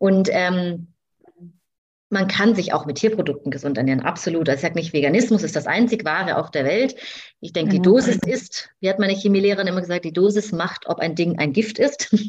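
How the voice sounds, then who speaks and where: A woman's voice, somewhat breathy, sits at a medium pitch. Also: lively intonation, fairly quick pace. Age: 30s. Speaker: midwife. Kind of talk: casual chat. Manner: hesitant, many fillers.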